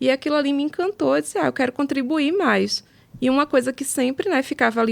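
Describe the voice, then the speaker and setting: Lively intonation at a fairly quick pace. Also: woman, dry, close sound with no echo. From Brazil, Recife (Pernambuco). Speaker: accountant and startup financial consultant. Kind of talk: podcast interview.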